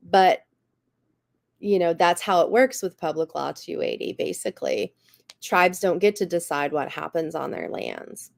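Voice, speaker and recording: A woman with a slightly raspy voice and a cough, earnestly explaining things as a guest speaker, often saying "you know" and "um". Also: lowish voice, dry recording, studio quality. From Cherokee Nation. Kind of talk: explanatory talk.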